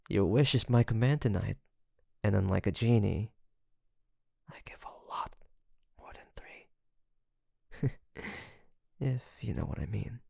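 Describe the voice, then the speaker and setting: A man's voice: on the low side, creaky, a little mellow, slightly rough, dry recording, clean studio sound, full character voice. A man playing a seductive, teasing incubus demon in an intimate audio roleplay, with a theatrical, flirtatious drawl and a smug, sweet-talking manner. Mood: boastful, seductive.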